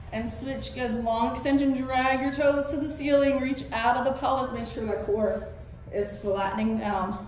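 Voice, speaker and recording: A woman with a high voice speaks at a moderate pace and fairly even intonation. Light background noise and audible room echo are present. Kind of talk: exercise class cueing. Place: gym. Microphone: camera far.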